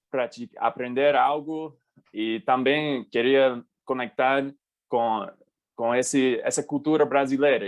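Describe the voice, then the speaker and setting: Guest voice: American man, native English speaker, mid-pitched, halting second-language delivery. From United States. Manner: halting, restarts words while searching. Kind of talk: casual interview.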